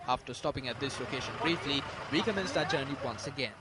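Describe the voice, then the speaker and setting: A man's voice: medium pitch, fast, heavy background noise. A man delivering scripted nature documentary narration as a news reporter.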